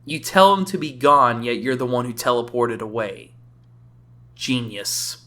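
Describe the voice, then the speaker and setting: A woman's voice: a bass voice, lively intonation, measured pace, a bit bright. A woman giving casual, sarcastic reaction commentary as a video game reviewer, often exclamatory. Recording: voice-over with faint game music.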